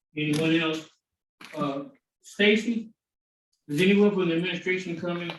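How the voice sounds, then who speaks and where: A man speaks loudly in a high voice at a moderate pace. He leaves long, frequent pauses. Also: ordinary pitch variation. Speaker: council president. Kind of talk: council meeting. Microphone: quiet on remote feed.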